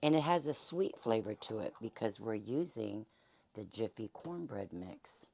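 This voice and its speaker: A woman host with a Southern accent and a hoarse, fading voice, chatting folksily through a home cooking demonstration. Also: very deep voice, expressive, measured pace, dark tone. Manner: chatty, folksy, many fillers. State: hoarse, losing her voice. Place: home kitchen.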